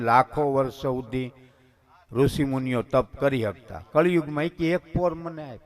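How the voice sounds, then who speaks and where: A man's voice: medium pitch, a bit bright. A man giving a devotional sermon in a folksy, conversational way, often calling his listeners bapu. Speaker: katha preacher.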